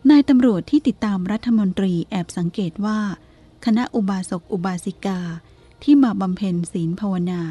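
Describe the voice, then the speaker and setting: Calm woman reading a story aloud, mellow husky voice. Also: mid-range voice. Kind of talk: storybook narration.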